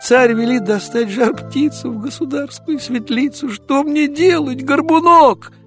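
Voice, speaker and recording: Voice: high voice, unhurried, soft background music, pitched above the performer's own voice. A reader voicing a young peasant lad who protests and pleads in a raised voice in a storybook verse tale. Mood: pleading.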